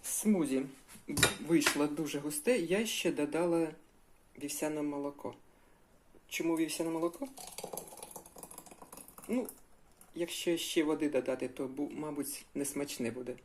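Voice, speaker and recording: A woman's voice: low voice, a little slow, pauses often, darkish tone, a little hiss or hum. An older woman chatting in a homely way while she cooks breakfast, addressing her viewers as girls. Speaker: cooking vlogger. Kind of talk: casual cooking vlog.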